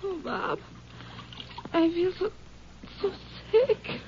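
A woman playing a sick, frightened rancher's wife and mother in a 1950s radio drama, halting and distressed. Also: extremely high pitch, darkish tone, heavily acted. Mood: weak, worried. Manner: weak, halting, breathy distress. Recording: muffled, noisy old radio recording.

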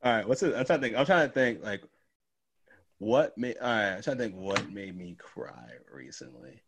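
Young male podcast co-host, slightly low voice, animated and profane, does high voices when he quotes people. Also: normal speed, breathy edge. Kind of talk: casual chat.

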